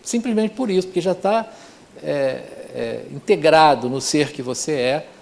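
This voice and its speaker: Man teaching with a lively voice. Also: a little high, a little slow, gravelly, slight background noise. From Rio de Janeiro, Brazil. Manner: conversational, frequent "né?" tags and restarts. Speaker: course teacher. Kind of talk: informal spiritual lecture.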